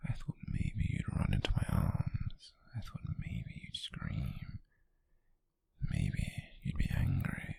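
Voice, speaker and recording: A British man playing an obsessive, menacing stalker in an ASMR roleplay, whispering in a teasing, possessively tender way with a breathy, gravelly voice. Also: mellow, close to an everyday voice. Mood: obsessive, longing. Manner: slow, lingering, teasing and menacing. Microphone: very close, dry microphone.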